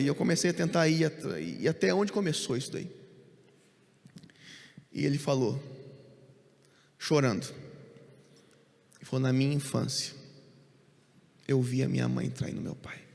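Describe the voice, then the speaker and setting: Gravelly preaching man in a church hall. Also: on the high side. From Brazil. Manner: earnest preaching, quick bursts then slow emphatic phrases. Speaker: pastor. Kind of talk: sermon.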